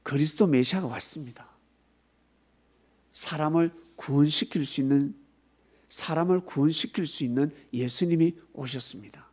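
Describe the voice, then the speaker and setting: A man's voice: a little high, moderate pace, slightly rough. A man preaching a sermon at a youth service, asking the students questions and calling on them by name. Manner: animated, acts out scolding voices, asks the listeners questions. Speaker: pastor.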